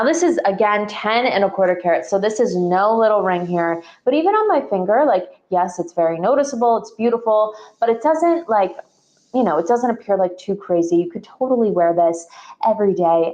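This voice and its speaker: A woman's voice: medium pitch, a little mellow. Gushing young woman hosting a jewelry livestream. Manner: chatty and gushing, full of fillers. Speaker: shopping livestream host. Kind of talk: live-stream jewelry sales pitch.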